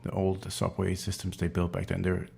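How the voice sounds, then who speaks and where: A man hosting a casual interview, relaxed and joking, with short prompts. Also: sits low, normal speed, vocal fry, husky. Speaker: podcast host.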